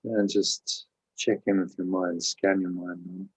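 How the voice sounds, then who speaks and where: A man leads a guided spiritual meditation in a low, slightly rough voice. As host and teacher, he gives calm, measured instructions with very even intonation, pausing between phrases.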